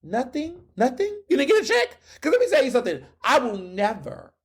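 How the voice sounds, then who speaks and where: A man's voice: very high voice, huge pitch swings, fairly quick, breathy edge. A young man from Houston hosting his podcast, ranting in a fiery, sarcastic monologue full of rhetorical questions. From Houston, Texas. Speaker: podcast host. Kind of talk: opinion monologue.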